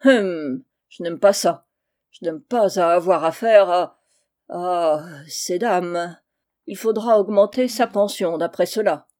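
A woman voicing a gruff, greedy male schoolmaster who speaks bluntly and loudly. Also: mid-range voice, lively intonation, normal speed, natural voice.

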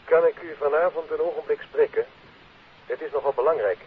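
A Dutch actor playing a secretive, earnest telephone caller in a 1950s radio play. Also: male voice, fairly high pitch, fairly quick. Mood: guarded, urgent. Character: secretive, earnest male caller arranging a meeting. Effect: telephone filter. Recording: tinny phone line, hissy 1950s radio.

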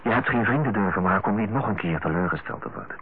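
An actor playing an earnest, tender brother in a Dutch radio play, speaking in a solemn, eloquent, husky voice. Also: male voice, lowish voice, expressive, fast talker, slight background noise, lightly acted. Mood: earnest, reproachful. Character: earnest, tender brother counselling his older-aged sister. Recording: muffled, phone-like old radio recording.

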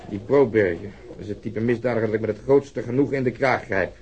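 An actor playing a blunt, sardonic, impatient police detective in a radio drama. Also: male voice, lowish voice, brisk, darkish tone, dull audio, close to an everyday voice. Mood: animated, cynical. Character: gruff, sarcastic, impatient plainclothes police detective, male. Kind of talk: Dutch radio drama acting. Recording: noisy old radio drama recording.

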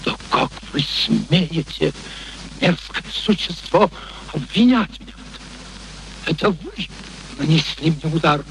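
An actor playing an irascible, arrogant professor in a Russian radio play, blustering and exclamatory. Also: male voice, a little high, animated, slow, pauses often, a bit bright, exaggerated voice. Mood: furious, wounded. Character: irascible, arrogant male professor Higgins, bullying and indignant. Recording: noisy old radio drama recording.

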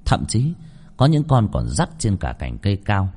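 A man narrating a ghost story with a dramatic, lively reading. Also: lowish voice, moderate pace.

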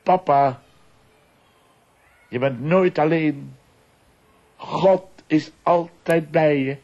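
A man's voice: a little high, very slow, a little mellow, highs cut off, voice pushed up, full character voice. Older man doing an earnest, wondering little boy, raised voice. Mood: solemn, calling out. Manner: exclaiming, full of innocent wonder.

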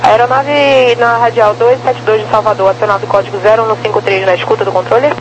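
Fast woman controller over two-way radio. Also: on the high side, fairly even intonation. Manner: rapid, terse, formulaic instructions. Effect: two-way radio transmission. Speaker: air traffic controller. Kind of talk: clipped radio phraseology. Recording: noisy radio channel with hum.

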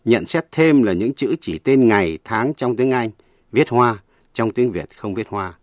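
A man teaching a language lesson on the radio in a measured, explanatory way, reading scripted narration. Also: mid-range voice, lively intonation, no room sound, studio quality.

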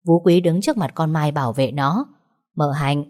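A woman narrating a dramatic story in an even, scripted storytelling manner. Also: low voice, a little fast.

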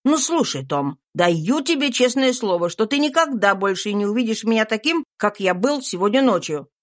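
A woman reading aloud, voicing a young wealthy male master who talks briskly and animatedly. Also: on the high side, lively intonation, natural voice. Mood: soothing earnest.

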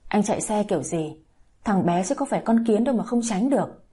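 A sharp-tongued grandmother in an audio story, scolding shrilly between tears, as a woman narrator puts her on. The voice is husky and dark. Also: medium pitch, animated, brisk.

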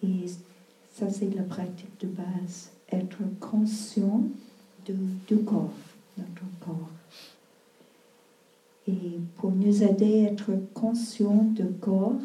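Non-native nun giving a slow halting talk, mellow voice, far from the mic in an echoey room. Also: female voice, medium pitch. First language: not French. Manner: slow, hesitant, many pauses and searches for words. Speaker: Buddhist nun teacher. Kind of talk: dharma talk at a retreat. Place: retreat hall. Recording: roomy, distant mic.

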